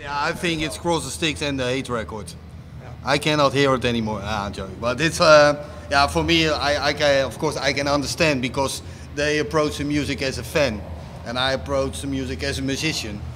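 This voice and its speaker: A man speaks with a Dutch accent and lively intonation. Noticeable background noise runs behind him. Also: moderate pace. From Netherlands. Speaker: death metal musician. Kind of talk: casual interview. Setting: at a metal festival. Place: tent. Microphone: handheld.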